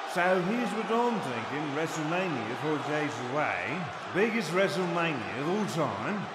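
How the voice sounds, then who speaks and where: A man's voice over loud background noise. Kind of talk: wrestling promo speech. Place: stadium. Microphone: handheld.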